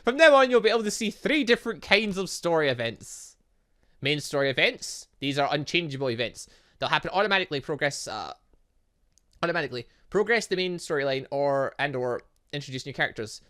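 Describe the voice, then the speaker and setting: A man's voice: fairly high pitch, animated, fairly quick, fairly bright tone. A man doing let's play commentary on a game, reading on-screen text aloud and muttering asides as he stumbles over it. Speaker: gaming YouTuber playing a visual novel.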